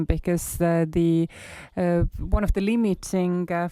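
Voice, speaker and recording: A man with an Estonian accent, hoarse today, giving a research presentation in a halting way with many filler sounds. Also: high-pitched, warm tone, dry recording. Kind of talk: conference presentation.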